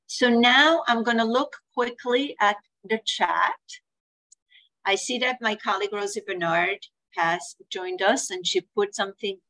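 A woman's voice: medium pitch, sharp tone, low-quality recording. An older woman with a Swiss accent, speaking earnestly on a video call and telling family stories about care planning. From Switzerland. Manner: earnest, storytelling, acts out quoted family voices. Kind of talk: webinar talk with anecdotes. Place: home room, indoors.

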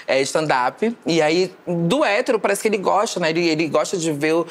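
A man from Amazonas, Brazil, telling comic stories as a stand-up comedian guest. He is animated, laughs often and keeps asking "right?". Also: fairly high pitch, a little fast. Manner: animated, laughing often, many tag questions. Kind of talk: comic storytelling.

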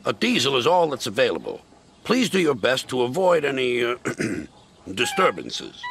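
A man's voice: medium pitch, wildly swooping pitch, normal speed, fairly bright tone, slight background noise. A man voicing a stern, fussy male railway controller, formal and clipped.

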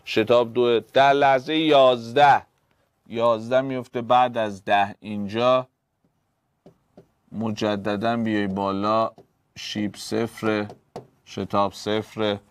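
A man's voice: fairly low pitch, little pitch movement, smooth, no room sound. A man, a physics teacher, working through exam problems step by step and talking straight to his students. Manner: explains step by step, addresses students directly.

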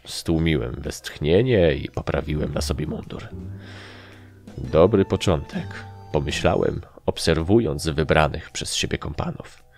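A man's voice: rumbling low, normal speed, vocal fry, darkish tone, faint music behind. A man narrating a first-person fantasy story as an audiobook reader, reading expressively.

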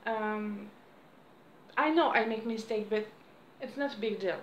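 A woman in her thirties with a French accent, chatting to camera at home in halting English, losing her voice. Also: medium pitch, reverberant, a little hiss or hum. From France. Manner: halting non-native English with frequent restarts and apologies. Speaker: crafts vlogger. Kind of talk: casual chat to camera. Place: small room indoors at home. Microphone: camera on a desk close by.

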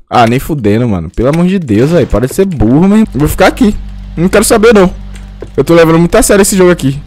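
Brief: male gamer, sore throat, cusses constantly, lively voice that leaps up high when caught. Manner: swears a lot, yells and shrieks when caught. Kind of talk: casual let's-play commentary.

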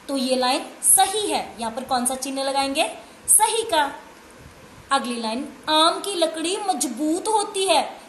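A woman teaching a slow, patient Hindi grammar lesson to young children from home, spelling out letters and answering her own questions. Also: sits high. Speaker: primary school teacher. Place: room at home. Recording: echoey room with faint noise.

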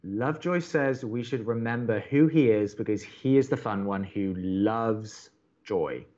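A man's voice: lowish voice, measured pace, darkish tone, lo-fi sound, natural voice. A man playing an upbeat, chatty young college radio co-host in an audio romantic comedy, earnest and wry. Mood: wry, animated.

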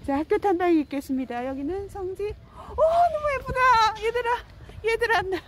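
A woman's voice: extremely high pitch, lively intonation, normal speed. A woman chatting playfully during an outdoor walking vlog, gushing over the sights. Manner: playful, gushing, talks to ants. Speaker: vlogger on a walk. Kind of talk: casual walking vlog chat. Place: outdoors on a street. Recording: outdoor street noise behind.

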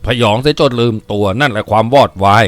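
A man reading as a hardened old village headman and gang boss with a gruff, brooding, commanding manner. It sounds dry and close, in the unhurried voice of a storybook reading. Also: on the low side, no room sound, close to an everyday voice. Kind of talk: audiobook character reading.

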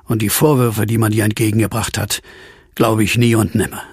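A man acting in a German audio drama as an earnest, troubled former asylum inmate with a husky, gravelly voice. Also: lowish voice, level tone, brisk, dry recording, clean studio sound. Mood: warm, resolute.

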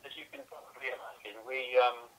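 A man's voice: mid-range voice, steady tone, a little fast, poor audio. A man on a video call whose audio keeps breaking up and dropping out, talking hesitantly and trailing off. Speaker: Jehovah's Witness discussing doctrine. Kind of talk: casual call conversation.

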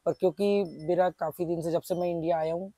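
A man's voice: fairly high pitch, fairly even intonation, fast talker, dark tone, no echo. A man in his thirties with a sore throat, chatting casually to camera as a vlogger, explaining things step by step in an outdoor garden with a clip-on mic. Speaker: travel vlogger. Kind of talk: casual vlog talk to camera. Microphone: small clip-on mic on shirt.

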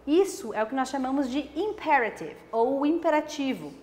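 A woman teacher from Brazil leads an online lesson in a slightly raised voice. She explains patiently and slows right down whenever she gives an example phrase. The room around her has a lingering reverb. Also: high-pitched, animated, loud music behind the voice. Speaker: language teacher.

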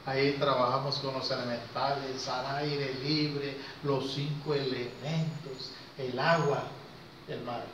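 A man, giving an informal lecture to a small class in an unhurried way, with pauses and questions to his listeners. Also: mid-range voice, little pitch movement, recorded from a distance. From Costa Rica. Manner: unhurried, pausing between short phrases, questioning listeners. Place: small indoor classroom with whiteboard. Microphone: handheld camera a few metres away. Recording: very echoey, noisy, muffled room recording from afar.

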